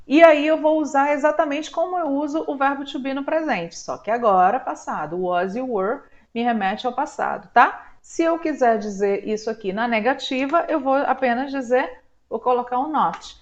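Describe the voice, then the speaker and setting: Brazilian woman teaching, slow careful drill. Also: a little high. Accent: Brazilian Portuguese. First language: Portuguese. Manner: slow drawn-out model words, frequent "tá?". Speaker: English teacher. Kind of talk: online language lesson. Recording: slightly dull lo-fi sound.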